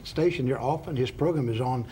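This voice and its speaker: A man hosting a Christian television talk show, speaking in a deliberate, sermon-like way with frequent "uh" fillers. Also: medium pitch, warm tone, a little hiss or hum. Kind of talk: preachy opening then interview.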